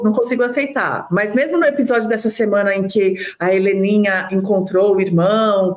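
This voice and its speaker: A woman with a Brazilian accent chatting casually as a podcast host, giving her opinions emphatically with slang and the odd swear word. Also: mid-range voice.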